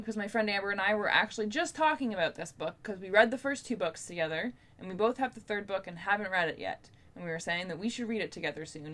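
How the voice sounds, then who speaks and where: A woman's voice: medium pitch, a bit bright. A young woman chatting casually to camera as a book vlogger, in an informal, rambling, playfully self-deprecating way. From Canada.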